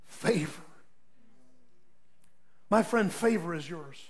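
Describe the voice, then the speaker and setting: An older man, a pastor, preaching a sermon in a folksy storytelling way, swinging between loud emphatic peaks and soft asides. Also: sits high, expressive, takes it slowly.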